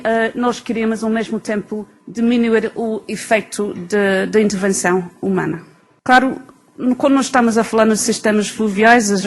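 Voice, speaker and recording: A woman from England giving an academic talk with an English accent in her non-native Portuguese, hesitating as she searches for words. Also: medium pitch. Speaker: researcher giving a lecture.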